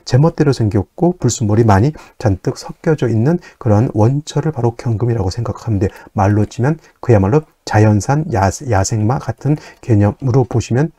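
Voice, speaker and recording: A man teaching an astrology lesson in a patient lecture style, repeating terms one by one and often pausing with fillers. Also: mid-range voice, dark tone, no echo. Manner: patient, repetitive drilling with frequent fillers.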